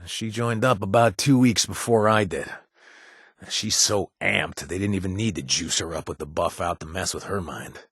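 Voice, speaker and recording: Low, husky reformed wasteland raider. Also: male voice, fairly bright tone, dry recording, clean studio sound, exaggerated voice. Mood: urgent, bitter. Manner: halting, confiding, casual speech. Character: earnest, haunted reformed male raider in a post-apocalyptic wasteland. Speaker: companion character in a video game. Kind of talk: conversational video game acting.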